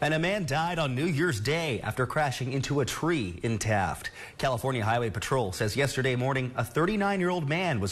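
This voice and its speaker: A man speaks at medium pitch and a moderate pace with lively intonation. Background noise is noticeable. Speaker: local TV news anchor. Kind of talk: TV news anchor delivery.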